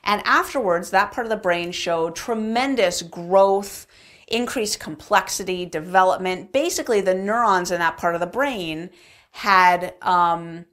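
A woman's voice: on the low side, unhurried, a bit bright. A woman talking casually and explaining things as a vlog host, with emphatic conversational delivery, recorded in an echoey, bare unfinished room. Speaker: vlog host answering viewer questions. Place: unfinished basement room with cinder blocks and subflooring.

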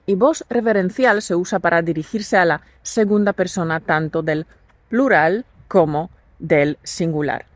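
Slow, patient teacher woman. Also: on the low side, dry recording. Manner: slow, clear, patient, leads drills. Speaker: Spanish teacher. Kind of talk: scripted language lesson.

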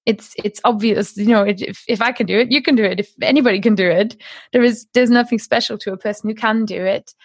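A German-speaking woman in her thirties who creates language courses is a guest in a conversational podcast interview. Her voice is a little high and breathy, and she talks quickly with no echo, laughing often and restarting her phrases.

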